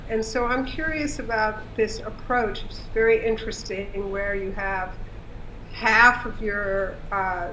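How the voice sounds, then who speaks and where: Soft-spoken woman with a head cold. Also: medium pitch. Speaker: seminar participant asking a question. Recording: echoey call audio with faint noise.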